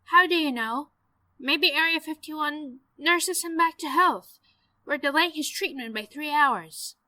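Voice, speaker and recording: A woman playing a soft-hearted, stubborn young woman in an audio drama, earnest and emotional, pleading her case. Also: sits high, unhurried, dry recording, rough recording. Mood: arguing.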